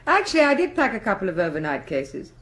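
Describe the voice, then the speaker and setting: An actress playing a genteel, expressive wife with an English accent and a breathy, husky voice in a 1980s radio drama. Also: female voice, medium pitch, fast talker. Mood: gracious.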